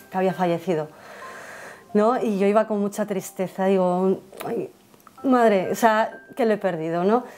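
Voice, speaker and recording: A woman's voice: mid-range voice, warm tone. A mother from Spain giving an earnest, reflective personal account, with frequent fillers and restarts. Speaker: interviewee, mother. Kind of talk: personal testimony.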